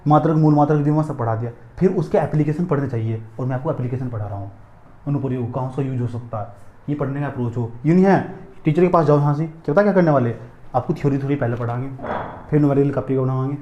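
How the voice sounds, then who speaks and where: A man's voice: mid-range voice, fast talker, dark tone, roomy sound, lo-fi sound. A man teaching physics in a classroom lecture, repeating points and drilling his students with questions and answers.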